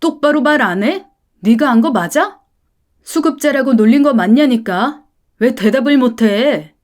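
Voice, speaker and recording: A woman voicing an angry, hot-tempered working-class husband who shouts and confronts. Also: on the high side, lively intonation, takes it slowly. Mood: furious.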